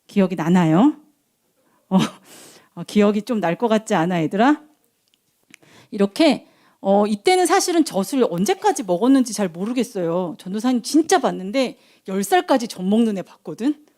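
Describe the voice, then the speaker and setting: Speaking at a normal speed in a mid-range voice, a young woman preacher brings a Bible story to life for children. She quizzes them as she goes and performs the characters' voices.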